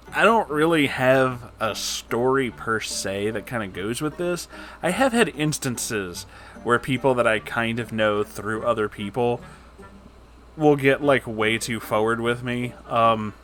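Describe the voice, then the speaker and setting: A man talks casually to his audience as a host giving commentary. His delivery is informal and rambling, peppered with joking asides and swearing. His voice sits at an average pitch, with light music playing behind it. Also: a bit bright. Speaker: host reading and reacting to stories.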